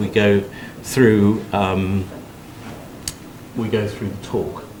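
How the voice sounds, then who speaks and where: Over noticeable background noise and audible room echo, a man with a southern English accent speaks very slowly in a fairly low pitch. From southern England. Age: 60s. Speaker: professor. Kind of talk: lecture. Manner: hesitant, many ums.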